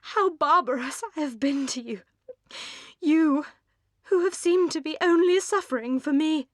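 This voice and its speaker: A woman's voice: high voice, a little slow, dry recording, studio quality, voice pushed up. A woman voicing a passionate, emotional young Englishwoman in an audiobook, with dramatic, impassioned delivery. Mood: anguished remorse. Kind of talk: audiobook character dialogue.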